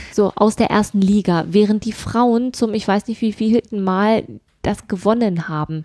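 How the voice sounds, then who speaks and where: Her voice is a woman's medium pitch with a dark, mellow tone. She speaks at a fairly slow pace with fairly even intonation. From Braunschweig, northern Germany. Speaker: podcast co-host. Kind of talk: casual chat.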